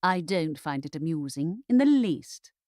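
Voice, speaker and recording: A woman's voice: low voice, sing-song, unhurried, a little mellow, no room sound, clean studio sound. A woman voicing a fussing, indignant middle-aged society mother in a stagey period-drama audiobook style. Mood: fussing indignation. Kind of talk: Regency romance audiobook character acting.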